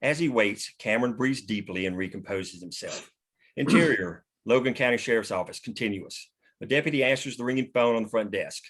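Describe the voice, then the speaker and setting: A man's voice: medium pitch, fairly quick, a bit bright, husky. A man narrating stage directions from a screenplay at a table read.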